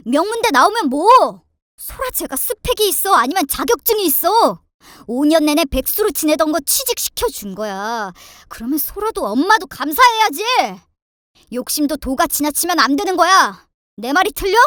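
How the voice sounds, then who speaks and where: A woman's voice: sits high, big pitch swings, moderate pace, fairly bright tone, no room sound, studio quality. A woman voicing an exasperated, blunt husband, confronting and reproachful, in a dramatized family story. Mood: angry, stern.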